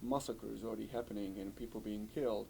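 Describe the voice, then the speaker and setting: A man from tells his story in an interview, speaking English. His voice sits somewhat low, and he talks fluently, filling his phrases with "you know." A faint hiss of room noise runs underneath. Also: steady tone, fast talker, gravelly, mellow, poor audio. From former Yugoslavia. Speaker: refugee interviewee. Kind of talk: recorded interview testimony.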